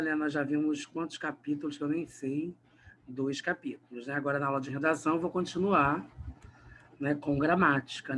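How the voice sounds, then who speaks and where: A man's voice: fairly high pitch, fairly bright tone, a little hiss or hum. A man from Rio de Janeiro with a Carioca accent, a Portuguese teacher giving a chatty, teasing grammar lesson online. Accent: Carioca Brazilian Portuguese. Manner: chatty, teasing, talks straight to the students.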